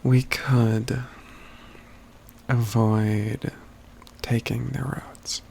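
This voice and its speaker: A man performs a courtly, gently teasing mage in an ASMR fantasy roleplay. His medium-pitched voice is soft and gravelly, unfolding in slow, deliberate phrases that often sink into a whisper. A faint ambience sits behind the close-miked words. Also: little pitch movement, a little hiss or hum. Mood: calm, deliberate. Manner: measured, deliberate, halting phrases with pauses.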